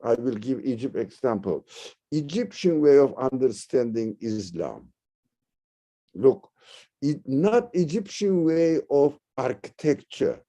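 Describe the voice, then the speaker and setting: A man from Turkey, teaching religion in a discussion, halting and searching for words, then rising sharply to stress key points. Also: medium pitch, sing-song, mellow. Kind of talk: lecture-style discussion.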